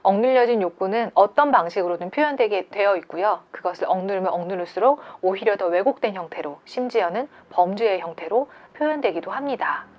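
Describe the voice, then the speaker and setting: Woman lecturing online, calm and explaining, asks the viewers questions a lot. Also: mid-range voice, brisk, few pauses, dull audio. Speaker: creativity lecturer.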